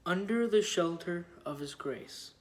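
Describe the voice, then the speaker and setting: A man reading a written devotional account aloud in a measured, halting way. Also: high-pitched, animated. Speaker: reader of devotional testimonies.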